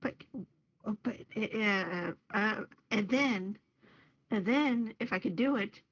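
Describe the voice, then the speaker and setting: A woman's voice: mid-range voice, slow pace. A woman chatting casually as a panelist on a podcast. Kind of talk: casual chat. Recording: muffled lo-fi call, echoey room.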